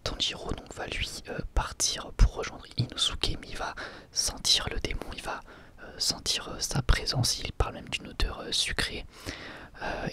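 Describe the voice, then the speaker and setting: An ASMR reviewer speaking informally in a halting, hesitant way, close to the microphone, in an episode review.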